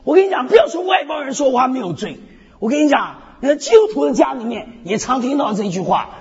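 In a dull, heavily reverberant hall, a very high-pitched, slightly rough-voiced male pastor from North America talks fast through an energetic sermon. Humor and self-deprecating stories mix with frequent call-and-response hallelujahs.

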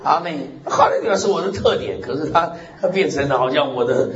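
A male pastor preaches in a loud, strong voice, his pitch rising and falling as he exclaims amen and hallelujah. The sound is roomy and somewhat dull, with a faint hiss beneath. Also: a little fast, crowd noise. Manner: animated preaching punctuated by frequent "amen" and "hallelujah", with laughter. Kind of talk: lively Mandarin sermon.

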